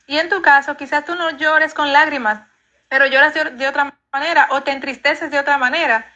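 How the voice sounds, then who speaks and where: A woman therapist answers interview questions about grief, explaining calmly and reassuringly. Her voice is high and bright, and she sets out her points in a steady, explanatory way. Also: fairly quick, muffled recording.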